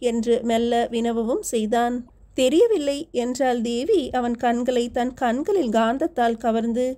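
Reading a historical novel aloud as an audiobook narrator, a woman keeps her delivery steady and measured. Her voice is mellow and warm, sitting slightly high for a woman.

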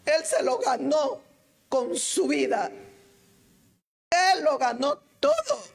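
A woman evangelist preaching a sermon, swinging between fervent shouting and soft, prayerful murmurs. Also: high-pitched, big pitch swings, takes it slowly, gravelly. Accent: Latin American Spanish.

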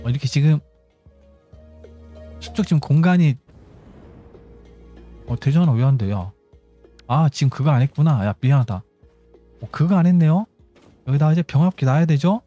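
Higher-pitched man, lively game tutorial commentary. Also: moderate pace, long pauses, lo-fi sound, soft background music. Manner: explains step by step, thinking aloud. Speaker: gaming channel host.

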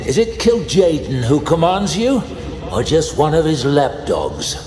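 A man's voice: fairly high pitch, very animated, a little slow. A man voicing a confident, defiant archmage who taunts and goads in an audiobook drama. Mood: taunting. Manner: goading questions, wry taunts. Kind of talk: audiobook drama character acting. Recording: echoing reverb, music behind.

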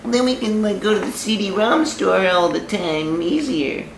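Snooty young woman, creaky and mocking, a man doing a falsetto. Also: moderate pace, a little hiss or hum, poor audio.

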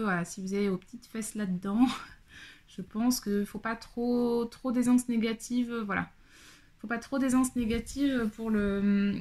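Her voice sits on the high side and sounds a little mellow. For her sewing channel, this vlogger handles and displays fabric from a haul, chatting casually and filling her speech with lots of fillers.

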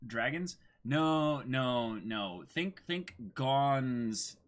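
A man's voice: medium pitch, lively intonation, extremely slow. A man in his twenties chatting casually as he co-hosts a dramatic reading. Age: 20s. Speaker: co-host of a manga dramatic reading. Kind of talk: casual chat between read-aloud lines. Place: indoors against a studio backdrop.

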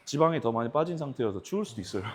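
A male bodybuilder and channel host chatting politely between sets at the gym, asking questions and chuckling often. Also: medium pitch.

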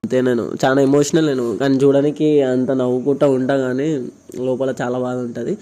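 A man's voice: medium pitch, flat delivery, fairly quick, music in the background. A young man with a Telangana Telugu accent, a vlogger talking earnestly and insistently to his partner on camera, often repeating himself. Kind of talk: emotional on-camera conversation.

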